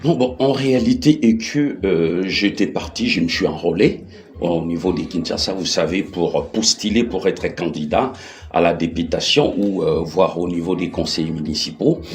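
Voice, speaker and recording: A middle-aged male interview guest with a Congolese accent. His voice sits low and deep. He explains things conversationally, with halting phrases that he often restarts and repeats. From Democratic Republic of the Congo. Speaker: interview guest, political activist.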